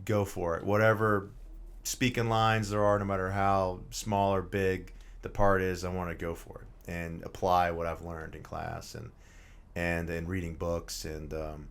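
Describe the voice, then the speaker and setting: A man's voice: deep voice, little pitch movement, measured pace, creaky, smooth. A young man from Georgia in the US, an actor and filmmaker guest, talking through his story in a loose, rambling way with plenty of fillers. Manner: rambling, lots of fillers, laughs easily. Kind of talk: casual interview chat.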